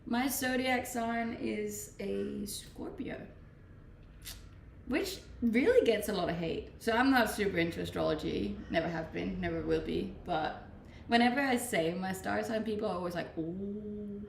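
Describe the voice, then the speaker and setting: A woman's voice: mid-range voice, unhurried, gravelly, a little hiss or hum. A young woman from Denmark, a native Danish speaker, casually answering chat questions on a live stream, reading each question aloud before replying. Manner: relaxed, reads questions aloud then answers. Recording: roomy, distant-mic home stream.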